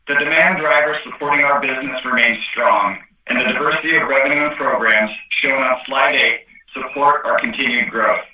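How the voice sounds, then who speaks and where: A man reading a scripted corporate presentation as an executive on an earnings call, in a formal, measured way. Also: mid-range voice, recorded from a distance. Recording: echoey, muffled conference call line.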